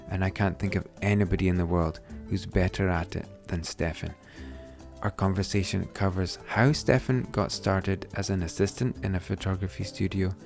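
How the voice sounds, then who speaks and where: Gravelly low-voiced male podcast host. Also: a little mellow. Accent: Scottish. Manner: eager, chatty, with restarts. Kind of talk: podcast interview.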